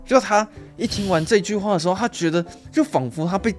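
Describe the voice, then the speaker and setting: A man's voice: high-pitched, fairly quick, soft background music. Laughing, swearing man. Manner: laughs often, swears casually, acts out quotes. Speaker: podcast co-host. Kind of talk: casual film chat.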